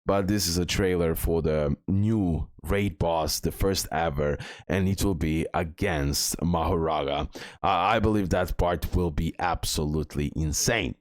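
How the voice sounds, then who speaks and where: A man's voice: low-pitched, unhurried, no echo, clean studio sound. A man giving casual commentary on game news and talking through images on screen, with frequent filler sounds. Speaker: gaming video creator.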